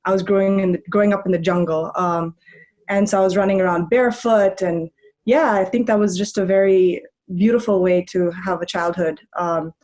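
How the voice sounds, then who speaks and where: A young woman born in Germany shares her childhood story in a gentle, soft-spoken way. She pauses often on small fillers and keeps the tone warm and easy. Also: mid-range voice, steady tone. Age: young adult. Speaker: podcast guest. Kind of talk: casual conversation.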